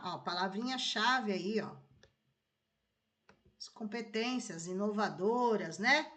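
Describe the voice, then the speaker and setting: A woman's voice: fairly high pitch, a bit bright. A Brazilian woman teacher giving a conversational lesson, often checking that listeners follow along. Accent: Brazilian Portuguese. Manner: conversational, checks understanding with tags like "tá?" and "né?". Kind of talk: explanatory lesson.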